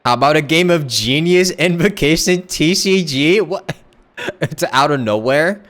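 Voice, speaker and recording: A woman's voice: deep voice, animated, measured pace. A woman giving casual, chatty live commentary as she streams a video game. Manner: chatty, reads and reacts aloud.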